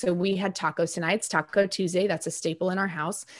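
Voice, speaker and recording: Against a quiet background, a woman speaks at a medium pitch. Her pitch variation is ordinary. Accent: Midwestern American. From US Midwest, Nebraska. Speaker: dietitian. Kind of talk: casual chat.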